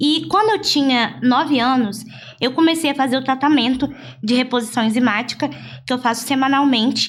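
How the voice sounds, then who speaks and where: A woman speaks at a high pitch with ordinary pitch variation. Her loudness stays very even. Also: moderate pace. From Brazil, Vitória, Espírito Santo. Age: 20s. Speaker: lawyer and public speaker. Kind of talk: interview conversation.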